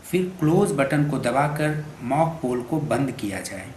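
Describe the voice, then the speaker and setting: A man reading scripted instructional narration for a training film in a formal, measured, instructive way. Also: mid-range voice, expressive. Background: background music.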